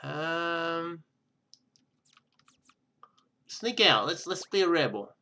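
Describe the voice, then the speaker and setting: Bright-voiced man narrating a video game. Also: a little high, very animated, extremely slow. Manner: rambling, thinking out loud. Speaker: gaming video host. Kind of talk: casual let's play commentary, reading game text aloud.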